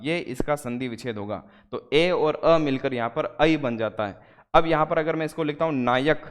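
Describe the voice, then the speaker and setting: A man teaching an exam-prep grammar lesson, explaining step by step and slowing down to spell out the parts of each word. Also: mid-range voice, clean tone, big-room sound.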